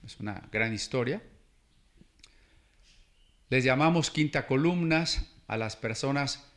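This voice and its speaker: A middle-aged pastor preaching in a relaxed, conversational way. His voice sits at an ordinary pitch, and he keeps checking in with his listeners through little rhetorical asides. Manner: conversational preaching with frequent "¿no?" asides and personal anecdotes. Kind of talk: sermon.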